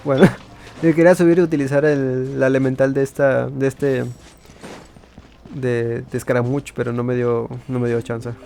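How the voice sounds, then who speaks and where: A man's voice: medium pitch, level tone, brisk, vocal fry, dark tone, slight background noise. A man giving informal let's play commentary, muttering to himself casually as he plays. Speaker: gaming video creator.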